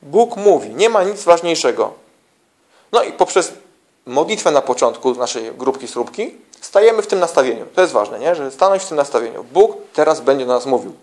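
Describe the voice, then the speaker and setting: A man's voice: medium pitch, animated, fairly quick, a little mellow. A man giving an informal teaching talk to church small-group leaders, conversational and full of restarts, who keeps checking in with his listeners through tag questions. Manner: conversational, with frequent restarts and slang.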